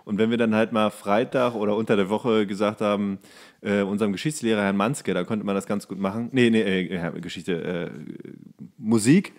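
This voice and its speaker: A man's voice: lowish voice, steady tone, moderate pace. A man co-hosting a podcast, telling comic anecdotes in a rambling, jokey, casual way. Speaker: podcast co-host.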